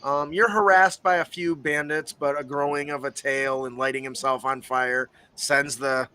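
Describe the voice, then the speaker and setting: A man running a tabletop game as game master, narrating casually with many fillers and pauses. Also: mid-range voice, fairly even intonation, sharp tone, clean tone.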